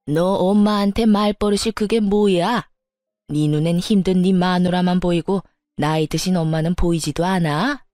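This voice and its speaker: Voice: medium pitch, fairly even intonation, normal speed, a little mellow, dry recording, clean studio sound, faint music behind, close to an everyday voice. A performer voicing the arrogant, favored eldest son scolding his younger brother. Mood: angry. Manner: blustering, reproachful.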